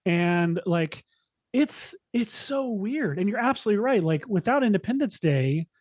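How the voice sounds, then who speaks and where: A younger man with a fairly high voice talks as a podcast guest, recorded close and dry. He rambles enthusiastically, peppering his sentences with fillers. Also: lively intonation, normal speed, a little mellow, no room sound. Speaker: guest filmmaker. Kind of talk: casual interview chat.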